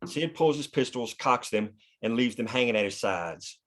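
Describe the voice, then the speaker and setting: Male narrator, mid-range pitch, reads scene headings and stage directions for a screenplay read. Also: lively intonation, moderate pace. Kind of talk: scripted narration of screenplay action.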